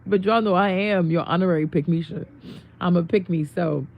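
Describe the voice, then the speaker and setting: A young woman with a worn-out, hoarse voice chatting casually with viewers on her livestream, greeting them and laughing often. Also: on the low side, moderate pace, lo-fi sound. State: losing her voice. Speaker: livestream host. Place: home room.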